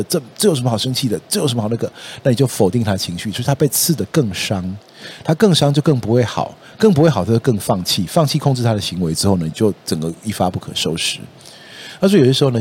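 A man with a Taiwanese Mandarin accent hosting a podcast, talking things through in a casual, lively way, filling his sentences with little fillers. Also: lowish voice, slight background noise. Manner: lively storytelling, acts out quoted voices, many "哦" and "然后呢" fillers. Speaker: podcast host. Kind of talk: casual explanatory podcast talk.

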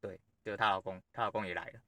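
A man's voice: sits low, fairly even intonation, very fast, pushed and bright, dry recording. A man hosting a podcast, telling a personal story in a blunt, rambling way and swearing freely. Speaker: podcast host. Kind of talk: casual storytelling monologue.

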